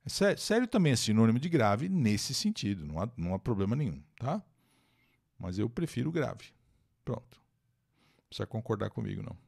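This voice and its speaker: A man teaching English to Brazilians on a live stream reads an article and translates it, repeating words and greeting viewers in the chat, with a Brazilian Portuguese accent. His fairly low voice is sing-song, a little mellow, fairly quick, and has vocal fry.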